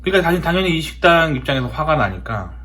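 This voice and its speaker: A man's voice: a little high, very animated, fast, bright, forceful tone. A man from South Korea talking casually in a storytelling monologue, emphatic and often repeating his words for effect. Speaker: host of a talk show.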